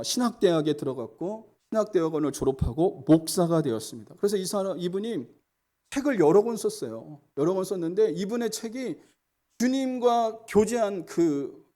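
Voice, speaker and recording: A man's voice: fairly high pitch, mellow. A male senior pastor preaching a sermon, emphatic and repetitive, addressing the congregation directly.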